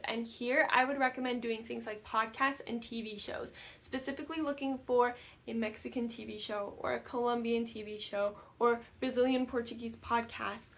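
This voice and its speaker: Young woman, higher-pitched voice, chatty language-learning vlogger at home. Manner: chatty, with many fillers and restarts. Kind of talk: casual talk to camera. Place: new house, room not yet decorated.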